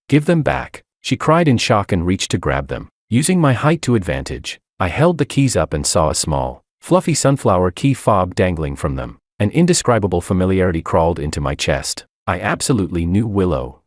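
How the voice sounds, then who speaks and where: Brief: male story narrator, deep and expressive, dry close-miked sound. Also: dry recording. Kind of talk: scripted first-person story narration.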